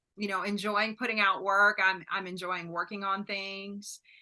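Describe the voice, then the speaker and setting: Over a quiet background, a woman talks at medium pitch with a Californian accent. Her tone is bright and sharp. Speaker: horror author, former actress and model. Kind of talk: interview answer. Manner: laid-back.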